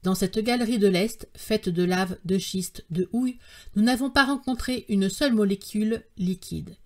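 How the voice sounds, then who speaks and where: A woman's voice: medium pitch, moderate pace, close to an everyday voice. A woman reading as a stern, fiery old professor. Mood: calm, commanding. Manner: forceful, commanding, insistent. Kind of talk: audiobook character reading.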